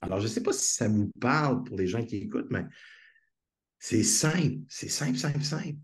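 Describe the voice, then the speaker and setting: A man's voice: medium pitch, animated, moderate pace. A man with a Québécois French accent, a guest speaker telling stories in a conversational interview, earnest and enthusiastic, on a video call.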